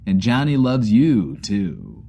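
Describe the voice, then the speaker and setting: A man's voice: on the low side, wildly swooping pitch, slow pace, vocal fry, dark tone, heavily acted. A man playing a cheesy post-apocalyptic variety-show host who refers to himself in the third person. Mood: affectionate. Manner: folksy, talks about himself in third person.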